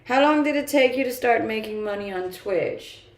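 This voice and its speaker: Gravelly-voiced Danish woman streamer, chatty. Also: on the high side, animated, moderate pace, roomy sound. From Denmark. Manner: chatty, laughs often, many fillers. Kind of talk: casual live-stream chat reading viewer comments.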